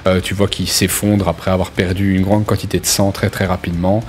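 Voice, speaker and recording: A man's voice: sits low, level tone, a little fast, a little hiss or hum. A man running a tabletop role-playing game, narrating in an informal, hesitant but vivid way. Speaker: game master.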